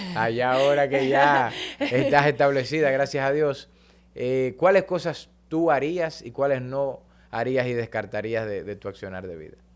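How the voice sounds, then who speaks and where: In a very clean recording with a silent background, a man with a strong Dominican accent speaks at a fairly slow pace and medium pitch, with ordinary pitch variation and big swings in loudness. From Dominican Republic. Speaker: podcast host. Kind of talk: interview conversation.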